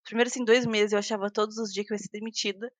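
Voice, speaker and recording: A woman's voice: mid-range voice, flat delivery, very fast, no echo. Chatty woman, dry sound. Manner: chatty, frequent restarts and fillers, laughs while talking. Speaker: guest software engineer. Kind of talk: casual interview talk.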